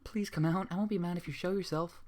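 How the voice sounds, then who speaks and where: A man's voice: sits high, steady tone, fast, a little mellow, a little hiss or hum, voice pushed up, close to an everyday voice. A man voicing a timid, frightened female cartoon pony who talks in a nervous, hesitant way. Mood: scared, pleading.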